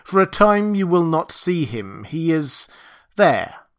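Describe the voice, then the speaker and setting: A man voicing a commanding man who proclaims law to beasts in an audiobook story, declaiming slowly with authority. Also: mid-range voice, a bit bright, no room sound, studio quality, natural voice.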